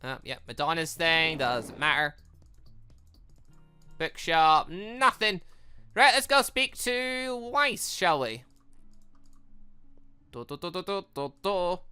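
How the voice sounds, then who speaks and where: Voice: medium pitch, bright, forceful tone, clear, resonant tone. A gaming video host giving casual, chatty, jokey commentary while playing through a game and reading its dialogue aloud.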